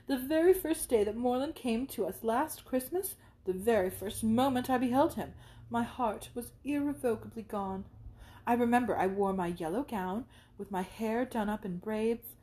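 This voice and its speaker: A woman's voice: a little high, warm tone, close to an everyday voice. A woman reading aloud and voicing a gushing, theatrical young woman who swoons and drops into whispers.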